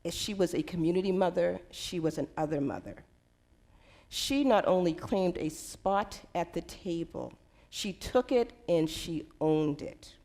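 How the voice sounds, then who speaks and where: Low-voiced, creaky woman panelist. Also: unhurried, dark tone. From United States. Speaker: panelist, center director. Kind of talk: prepared personal remarks at a public panel.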